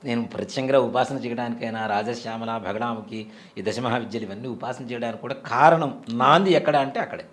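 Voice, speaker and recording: A man's voice: medium pitch, brisk, a bit bright. A man in his forties, a temple priest, telling a personal story in a casual interview with vivid, earnest detail. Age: 40s. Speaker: temple priest and devotional guest.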